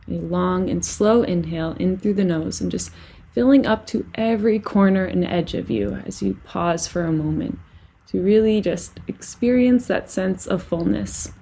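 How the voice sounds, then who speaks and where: Female meditation guide, soft-toned and mellow with noticeable vocal fry, gentle and unhurried. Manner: soothing, gentle, unhurried guiding with long pauses. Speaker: meditation and yoga teacher. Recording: lower-quality microphone.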